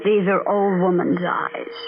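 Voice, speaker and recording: An actress playing a haunted, brittle elderly spinster in 1940s radio melodrama. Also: female voice, mid-range voice, little pitch movement, a little slow, natural voice. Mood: guarded, distressed. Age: older. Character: old small-town spinster, brittle and haunted. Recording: phone-like old radio recording, music behind.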